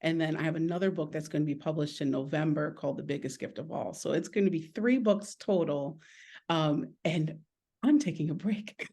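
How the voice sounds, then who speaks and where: A woman's voice: sits low, normal speed, dark tone, husky. A woman guest chatting casually in a video call interview about creative work, speaking in an earnest, appreciative way. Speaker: illustrator and author guest.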